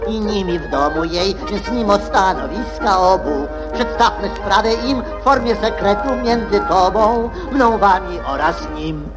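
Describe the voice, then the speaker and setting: An actress playing a fussy, officious rabbit court herald in a children's audio play, declaiming formally. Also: female voice, medium pitch, measured pace, hardly any pauses, over music, close to an everyday voice, low-quality recording.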